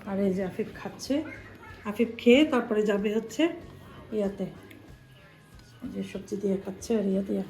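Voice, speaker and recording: Bangladeshi woman, 30s, home vlogger, slightly high voice, chatty running talk in the kitchen, faint ambience behind. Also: warm tone, a little hiss or hum, poor audio. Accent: Bangladeshi Bengali. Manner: chatty, talks to camera and family while doing chores. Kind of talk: casual chatty cooking narration.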